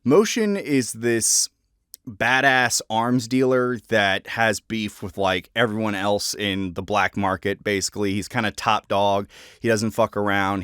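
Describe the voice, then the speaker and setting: A man's voice: on the low side, a bit bright, clear, resonant tone, no room sound, clean studio sound. A man talking casually to viewers as a voice actor, presenting favorite characters.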